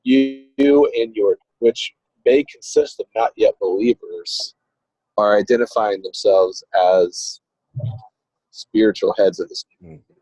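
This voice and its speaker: A man's voice: lowish voice, unhurried, dark tone, slightly rough, no room sound. A man talking casually on a car speakerphone while driving, a ministry coach who explains with a rambling manner and many restarts. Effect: car speakerphone on a call. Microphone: phone on a video call. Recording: dull, lo-fi call audio.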